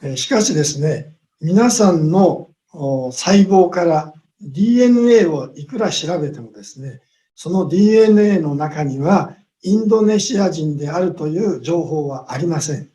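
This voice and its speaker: Guy lecturing on a video call, slightly high but mellow voice, slow careful phrases, lots of long uh pauses. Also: animated. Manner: measured, pausing with long drawn-out fillers. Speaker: guest speaker. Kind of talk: lecture with consecutive interpretation.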